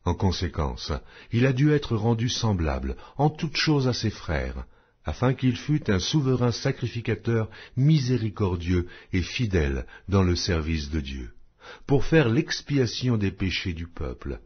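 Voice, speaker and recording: Low, husky man reading scripture expressively. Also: sing-song, measured pace. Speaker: audiobook narrator reading scripture. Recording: dull lo-fi audio.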